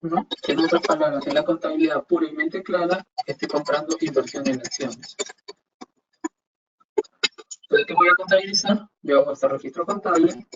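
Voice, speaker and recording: A man's voice: fairly high pitch, moderate pace. A man teaching an online accounting class, explaining step by step and asking rhetorical questions. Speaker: accounting instructor. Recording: dull distant mic with faint hiss.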